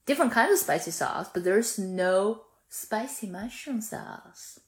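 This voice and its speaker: A woman in her thirties from Chongqing speaks English with a Chinese accent, eager and chatty as a guest in an interview. Her talk is full of fillers and quick restarts. The recording is roomy, with noticeable echo. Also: mid-range voice. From Chongqing, China. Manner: lively, frequent fillers and restarts. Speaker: sauce brand founder, guest. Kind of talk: casual interview conversation.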